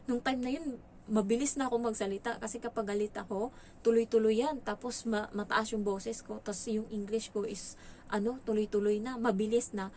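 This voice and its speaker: Speaking a little fast in a slightly high voice, a woman from the Philippines shares her life as a domestic helper. She is lively and casual, voices the people she quotes, and slips in English words, with slight background noise.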